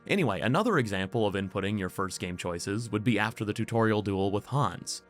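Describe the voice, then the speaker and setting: A man with a hoarse, worn-out voice from being sick delivers casual game commentary in an upbeat, chatty way. His voice sits fairly low, and faint music plays underneath. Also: expressive, fairly quick. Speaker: gaming YouTuber.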